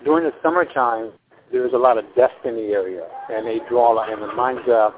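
Older male home seller, sixties, halting and wordy, phone-quality audio. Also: medium pitch, a little hiss or hum. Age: 60s. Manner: rambling, halting with many fillers and restarts. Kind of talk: casual phone conversation. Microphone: telephone. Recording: tinny phone line.

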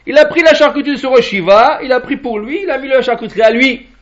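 A man giving a Torah lesson as a lively storyteller, acting out the characters' lines. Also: extremely high pitch, fast talker. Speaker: rabbi. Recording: dull lo-fi recording.

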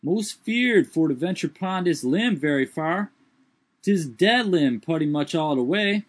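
A man's voice: on the high side, animated, unhurried, voice pushed up. A man voicing a fretful old manservant, speaking in a thick old-fashioned dialect in a strained, raised voice. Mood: fearful. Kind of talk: audiobook character voice.

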